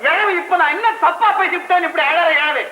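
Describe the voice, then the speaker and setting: A boastful young groom in an old film, whining and sneering at everyone. His voice sits very high and runs fast. The sound is roomy, with loud music under it. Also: heavy background noise. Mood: grumbling. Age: 20s. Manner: whiny and sarcastic.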